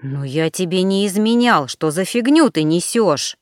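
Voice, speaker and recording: A tired young man, as a woman reader puts him on, presses for answers in a low-key, insistent way. The tone stays smooth and close, with a dry, clean sound. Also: lively intonation, slow pace, no room sound. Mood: weary. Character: weary bewildered young man, trying to stay calm.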